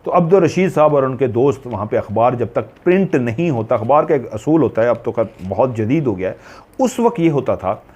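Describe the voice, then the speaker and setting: A man's voice: mid-range voice, expressive, brisk, a little mellow, slightly rough. Rambling storyteller man. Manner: rambling with asides and self-corrections. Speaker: horror storyteller. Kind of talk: casual spoken storytelling.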